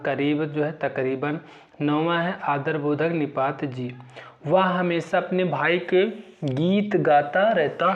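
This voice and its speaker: A man teaching an exam-prep grammar lesson, reading out lists of terms and example sentences in a steady recital, often filling pauses with "जो है". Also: a little high, lo-fi sound.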